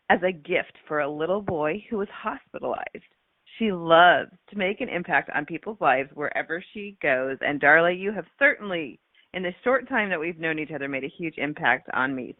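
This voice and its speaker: A woman's voice: on the low side, dry recording. A woman hosting a radio show, her voice a little scratchy from a cold, introducing her guest enthusiastically with frequent ums and uhs. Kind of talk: scripted guest introduction and chat. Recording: tinny phone-line sound.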